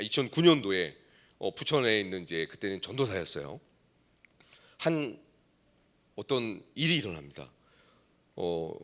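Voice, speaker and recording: A middle-aged male pastor preaching a sermon, telling a story and swinging between hushed asides and loud exclamations. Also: mid-range voice.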